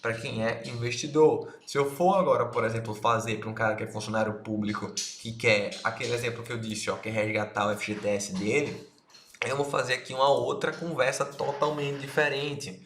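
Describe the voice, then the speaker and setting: A man's voice: mid-range voice, steady tone, brisk, fairly bright tone. A Brazilian man in his thirties giving a casual online marketing lesson, slangy and direct, talking straight to the viewer. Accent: Brazilian Portuguese. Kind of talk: casual recorded course lesson. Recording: echoey room, faint noise.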